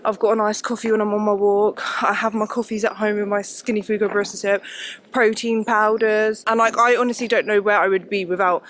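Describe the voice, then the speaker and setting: A woman's voice: mid-range voice, little pitch movement, brisk, a bit bright. Chatty breathless woman vlogging outdoors. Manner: chatty and rambling, many fillers like "like" and "yeah". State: out of breath walking uphill. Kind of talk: casual chat while walking. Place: outdoors on a hill walk.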